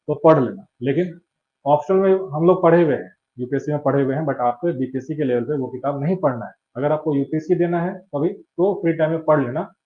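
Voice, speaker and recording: Male coaching teacher, muffled lecture. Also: a little high. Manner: conversational, keeps asking "है ना?".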